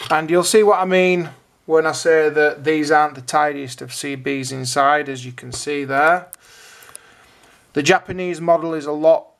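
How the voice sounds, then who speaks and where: In an informal how-to video, a British man with a slightly high voice and some vocal fry walks through each step in turn. He sounds like a hobbyist host, using plain, conversational phrasing.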